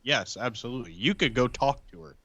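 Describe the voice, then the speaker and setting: A man playing a blunt, steady undead character in a tabletop game, talking plainly and reassuringly. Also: medium pitch, fast talker, husky.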